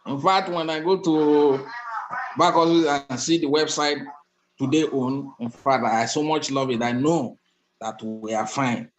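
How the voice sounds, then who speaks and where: A man giving an enthusiastic comment on an online call from a dark room with his camera off, repeating himself for emphasis. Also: mid-range voice, fairly even intonation, unhurried, low-quality recording. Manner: enthusiastic, repetitive, with fillers. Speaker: webinar participant. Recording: call audio with faint background noise.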